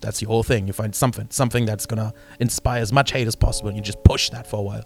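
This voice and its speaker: Speaking at a very fast pace in a German accent, a man keeps a monotone, flat intonation while music plays in the background. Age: 20s. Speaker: guest. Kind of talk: casual chat.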